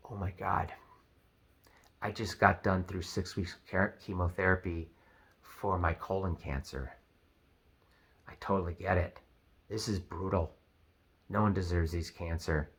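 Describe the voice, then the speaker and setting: A man's voice: sits low, fairly even intonation, measured pace, long pauses, a bit bright, slightly rough, pitched below the performer's own voice, exaggerated voice. A man acting out a self-absorbed friend who turns the talk to himself in a dismissive way. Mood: commiserating. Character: self-absorbed friend, adult man, talks over others.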